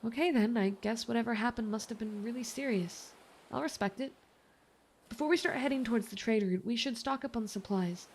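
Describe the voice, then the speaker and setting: A woman playing a kind, reassuring young mermaid in an ASMR roleplay, chatty, gentle and earnest. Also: a little high, fairly quick, slight background noise, lightly acted. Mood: concerned.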